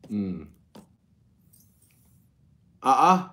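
A middle-aged man with a Filipino accent chatting casually on a livestream, greeting viewers in a drawn-out way with many pauses and interjections. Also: lowish voice, very animated, fairly bright tone. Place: indoor room with framed painting. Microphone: phone propped at arm's length.

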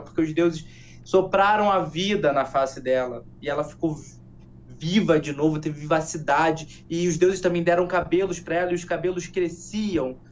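A man telling a folk tale gently and unhurriedly as a guest in a studio interview. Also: fairly high pitch, dull audio, a little hiss or hum. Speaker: guest, educator and storyteller.

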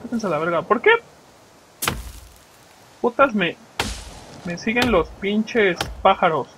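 A man's voice: high voice, slow, fairly bright tone, a little hiss or hum, rough recording. A young man with a Mexican accent giving casual, profane, joking let's play commentary and talking to his viewers as he plays. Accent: Mexican Spanish. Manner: profane, joking, talks to viewers while playing. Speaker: gaming channel host.

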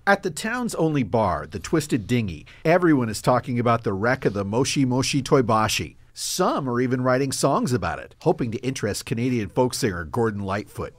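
A man's voice: mid-range voice, sing-song, a little fast, hardly any pauses. A man acting and narrating as a small-town storyteller in an improvised radio drama. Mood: wry narration.

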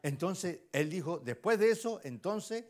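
A man with a Chilean accent preaching a sermon, often turning to the congregation with questions and swinging between loud exclamations and hushed asides. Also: high voice, animated, unhurried. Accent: Chilean Spanish. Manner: emphatic, keeps asking the congregation rhetorical questions. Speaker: lay preacher.

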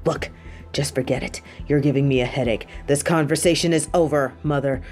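A woman acting the part of a hot-tempered, sarcastic mafia boss with a soft side in an audio roleplay. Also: extremely low pitch, brisk, soft background music. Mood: cold, menacing. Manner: dry, threatening, sarcastic, dramatic sighs.

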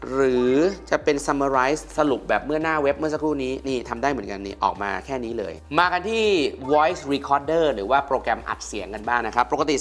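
A middle-aged man hosting a casual phone review, animated and exclamatory, speaking straight to his viewers. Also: mid-range voice. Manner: animated, exclaims often, addresses viewers directly. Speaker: tech reviewer host.

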